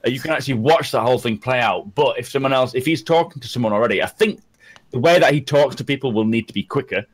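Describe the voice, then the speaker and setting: A Scottish man hosting a casual gaming podcast, animated, laughing often and acting out quoted lines. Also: mid-range voice, fast. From Scotland. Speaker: podcast host.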